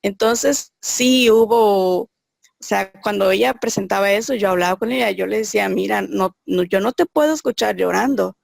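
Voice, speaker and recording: A woman's voice: mid-range voice, normal speed, creaky, no echo. A woman sharing a personal faith testimony, earnest and searching, thinking aloud as she goes.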